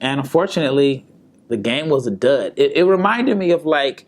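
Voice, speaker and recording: Slightly hoarse male podcast host. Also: medium pitch, expressive, moderate pace. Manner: conversational, repeats words and restarts. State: slightly hoarse, sore throat. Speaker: podcast host and basketball scout. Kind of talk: casual solo podcast commentary. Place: hotel room or indoor spot in Las Vegas.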